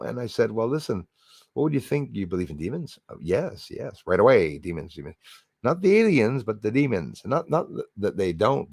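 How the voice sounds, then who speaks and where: Guy livestreaming, deep gravelly voice, rambly casual chat, real dry close sound. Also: a little mellow, no room sound. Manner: rambling, conversational, chummy with viewers. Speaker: livestream host greeting viewers in chat.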